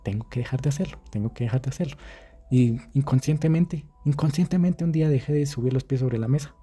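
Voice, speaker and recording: A man gives dating advice in a casual monologue. He is dramatic and profane and keeps acting out little scenes. His voice is husky and mellow, with faint music underneath. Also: medium pitch, fast talker.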